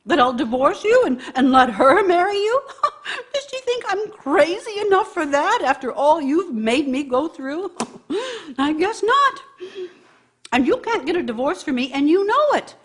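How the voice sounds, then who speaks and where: An actress playing a bitter, long-suffering wife in a radio play, nagging and scornful, with a husky voice. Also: female voice, very high voice, big pitch swings, measured pace, exaggerated voice. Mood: indignant, scornful. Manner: scornful, reproachful, needling. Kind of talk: radio theater monologue.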